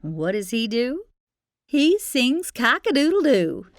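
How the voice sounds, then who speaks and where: Female storytime narrator: playful, high-pitched and unhurried, chatting to kids, with clear music underneath. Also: sing-song. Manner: playful, chatty asides addressed to children. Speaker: children's storytime host and narrator. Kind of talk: expressive fairy-tale narration.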